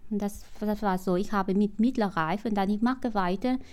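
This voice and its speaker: A Vietnamese-accented woman in her sixties, a non-native German speaker, telling her life story in an interview with halting phrasing and frequent restarts. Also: medium pitch, darkish tone.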